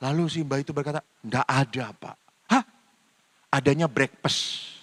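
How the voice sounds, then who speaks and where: A man's voice: mid-range voice, steady tone, moderate pace, fairly bright tone. An older man, a Catholic priest, preaching a humorous sermon and acting out the dialogue in his stories. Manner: storytelling, mimics dialogue with voice changes. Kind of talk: humorous sermon with acted anecdotes. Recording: reverberant hall sound.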